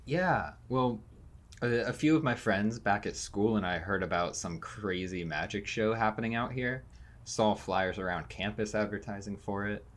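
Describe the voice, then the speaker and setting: A man playing a chatty, slightly unsure college freshman in a fiction podcast, casual and halting. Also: lowish voice, lightly acted. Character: nineteen-year-old male college freshman, chatty, excitable, unsure.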